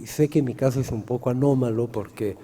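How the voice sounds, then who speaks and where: A man's voice: medium pitch, a little fast, dark tone, slightly rough. A man whose first language is Italian, speaking at a round-table discussion in a hesitant, reflective way with many restarts. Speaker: panelist poet. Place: large historic hall. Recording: reverberant hall.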